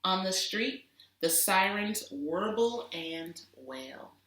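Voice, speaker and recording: A woman teacher giving an expressive storybook read-aloud for children, deliberate and with dramatic emphasis. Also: medium pitch, slight background noise. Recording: roomy echo, distant microphone.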